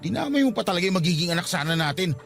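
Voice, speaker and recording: Isang lalaking gumaganap sa dramang pag-ibig sa radyo bilang nasaktan at mapait na batang nobyong iniiwan, puno ng panunumbat. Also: male voice, sits high, sing-song, very fast, creaky, fairly bright tone, faint music behind, full character voice. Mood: bitter. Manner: wounded, reproachful. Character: hurt, bitter young boyfriend being dumped. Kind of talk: radio romance drama acting.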